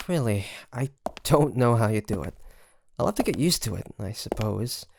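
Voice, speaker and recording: Against a noisy background, the performer's pirate captain is animated and creaky at medium pitch, teasing and getting flustered in the intimate ASMR scene. Sighs, soft laughs and halting speech carry a relieved, admiring mood.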